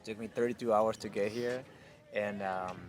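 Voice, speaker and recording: A young man from Honduras, a guest answering questions outdoors in a casual chat, pausing to search for words with fillers. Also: fairly low pitch, steady tone, faint music behind. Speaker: interview guest.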